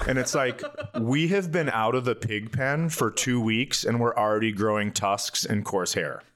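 A man's voice: mid-range voice, normal speed, fairly bright tone. A man who hosts a comedy podcast, telling casual, self-mocking stories and giggling through them. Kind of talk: casual comedic banter and storytelling.

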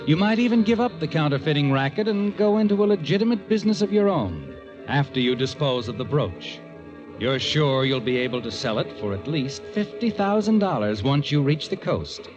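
Sly american radio thriller narrator, very animated, muffled old recording with music. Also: male voice, on the high side. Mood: sly, taunting. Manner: insinuating, needling, addressing the character directly. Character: the Whistler, taunting all-knowing male narrator of crime tales. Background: dramatic music.

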